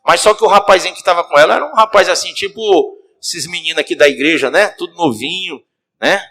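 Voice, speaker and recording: A bishop with a Cearense accent preaches a story-driven sermon in Brazilian Portuguese, animatedly calling out to the people in the pews. He has a high voice and speaks a little quickly.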